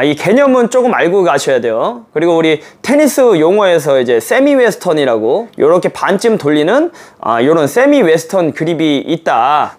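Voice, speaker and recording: Lively high-voiced man teaching badminton. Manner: animated, demonstrative, many fillers like "이렇게" and "아". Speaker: badminton coach. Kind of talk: casual video lesson.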